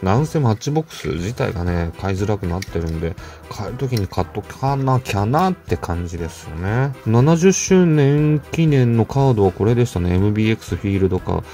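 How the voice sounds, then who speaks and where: A man talks casually as he opens toy cars, muttering and chuckling to himself. His voice is low and mellow with a gravelly edge. His pitch swings a lot as he goes, and faint music plays under his talk. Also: big pitch swings, a little fast, hardly any pauses. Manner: muttering to himself, chuckling, self-answering asides. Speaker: toy car collector vlogger. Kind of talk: casual unboxing chat.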